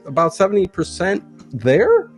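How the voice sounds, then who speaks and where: Guy talking casually, mid pitch, earnest, bit of music in back. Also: wildly swooping pitch, normal speed. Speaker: online show creator. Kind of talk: casual chat.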